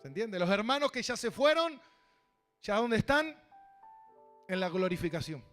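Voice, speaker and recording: A male pastor with an Argentine Spanish accent, preaching a sermon with personal stories, shifting between loud and soft. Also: high-pitched, sing-song, normal speed, soft background music.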